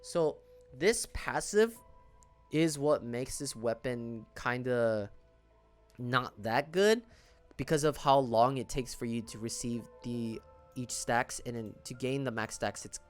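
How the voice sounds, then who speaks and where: A man's voice: mid-range voice, slow pace, faint music behind. A man giving casual, conversational gaming commentary, explaining things informally as a video creator. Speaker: gaming video creator reviewing game banners.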